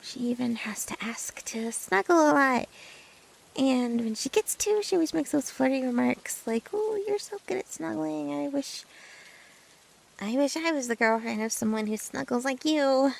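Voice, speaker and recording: A woman's voice: sits high, lively intonation, moderate pace, creaky, exaggerated voice, low-quality recording. A woman playing a nervous, lovestruck girl best friend in an ASMR roleplay, stammering and hesitant, often dropping toward a whisper. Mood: nervous, wistful. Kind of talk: ASMR roleplay acting, addressed to the listener.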